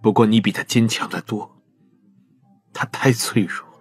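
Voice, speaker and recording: An actor playing a bitter, lovelorn man in an audio drama, confessing haltingly and emotionally. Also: lowish voice, steady tone, slightly rough, soft background music. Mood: sorrowful.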